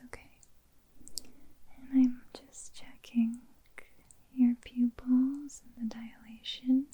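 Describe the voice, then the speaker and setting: A woman performing an ASMR medical roleplay as a doctor, speaking in a soft, breathy whisper with a gentle, reassuring, unhurried manner. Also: on the high side, muffled recording.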